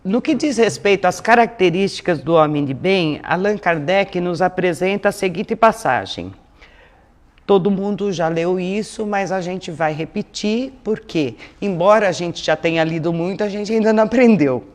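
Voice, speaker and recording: A woman's voice: fairly low pitch, normal speed. A woman with a Brazilian accent giving an informal religious talk as a lecturer, in a didactic manner with frequent tag questions. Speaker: spiritist lecturer.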